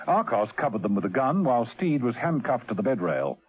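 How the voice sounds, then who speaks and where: A man's voice: medium pitch, very animated, fairly quick, husky. A man giving scripted dramatic narration for a radio serial. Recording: muffled old radio recording, faint music.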